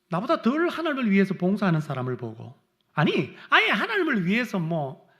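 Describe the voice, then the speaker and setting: A middle-aged male pastor preaching a sermon, acting out complaints in a raised voice and then dropping low and quiet. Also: dull audio.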